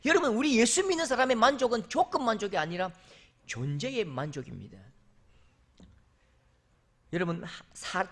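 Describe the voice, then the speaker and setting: A male pastor preaching a sermon in a church sanctuary, emphatic, rising to loud exclamations and dropping to soft asides. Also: high-pitched.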